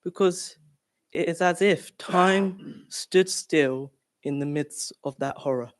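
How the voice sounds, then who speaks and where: Slow, solemn man with a higher voice. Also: no room sound. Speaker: speaker at a commemorative event. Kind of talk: prepared reflective speech.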